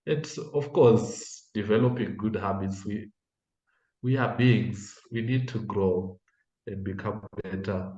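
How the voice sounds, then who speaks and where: A young man from Zimbabwe, a guest in a casual interview, speaking in a measured, earnest way with frequent hesitations. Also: lowish voice, dark tone, roomy sound, poor audio. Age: young adult.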